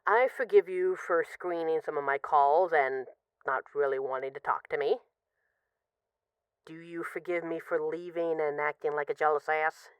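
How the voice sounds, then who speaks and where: A woman playing an apologetic, lovesick mafia boss who is guarded but vulnerable, speaking haltingly and confessionally in an intimate audio roleplay phone call. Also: low-pitched, steady tone, smooth, no echo, close to an everyday voice. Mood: contrite, tender. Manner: halting, confessional, with pauses and sighs.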